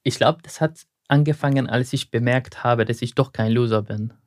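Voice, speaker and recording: A man's voice: mid-range voice, steady tone, normal speed, no room sound, clean studio sound. A young man from Syria, born to another language and speaking, answering interview questions thoughtfully and sometimes searching for words. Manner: thoughtful, searching for words, some slips in German. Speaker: guest.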